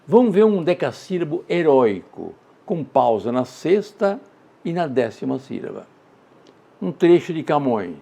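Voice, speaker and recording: An older man with a Brazilian Portuguese accent teaching a poetry lesson, reciting verses slowly and with feeling. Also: mid-range voice, darkish tone.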